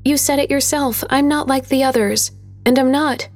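A woman's voice: high-pitched, steady tone, moderate pace, no room sound, faint music behind, pitched above the performer's own voice, close to an everyday voice. A woman voicing a brave young girl scout who speaks in a raised, earnest, pleading way.

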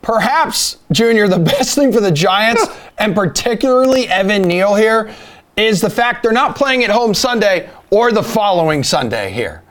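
A man's voice: sits high, animated, moderate pace, fairly bright tone. A man co-hosting sports radio, talking in a casual style. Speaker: sports show co-host.

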